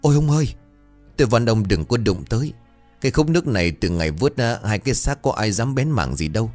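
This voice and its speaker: A man's voice: lively intonation, a little fast, soft background music, close to an everyday voice. A man putting on a terrified old village wife. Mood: pleading. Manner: shrill, begging, panicky.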